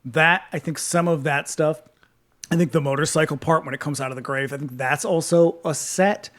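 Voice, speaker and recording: A man's voice: fairly high pitch, fairly even intonation, normal speed, fairly bright tone. A man co-hosting a podcast, chatting casually about a film, quoting his notes and interviews, swearing and laughing often. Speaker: podcast co-host.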